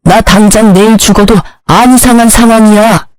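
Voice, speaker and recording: A woman's voice: a little high, steady tone, moderate pace, a little mellow, no room sound, faint music behind, lightly acted, poor audio. A woman reading the part of a selfish, sick middle-aged ex-husband who whines and demands. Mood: whining. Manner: whining, demanding.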